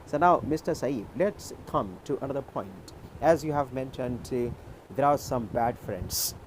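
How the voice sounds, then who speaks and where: A man from Maharashtra with an Indian accent, a native Urdu speaker, tutoring English on a video call in a measured, explanatory way. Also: medium pitch, animated, slight background noise, low-quality recording. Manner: measured, explanatory, checks in with "okay". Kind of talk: conversation practice on a video call.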